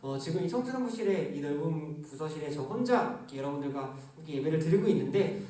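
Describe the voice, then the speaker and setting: A man in his thirties giving a gentle, conversational sermon through a face mask, pausing often, alone in a large church office. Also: a little high, expressive. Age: 30s. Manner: gentle, conversational preaching with frequent pauses. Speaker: youth pastor. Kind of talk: livestreamed sermon. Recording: very echoey room, mic at a distance.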